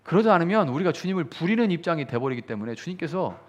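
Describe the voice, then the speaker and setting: A man's voice: on the high side, big pitch swings, fast talker, muffled recording. Man preaching a conversational sermon. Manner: conversational preaching, acting out quoted prayers, rising to fervent emphasis. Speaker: pastor. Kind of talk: sermon at a midweek prayer meeting.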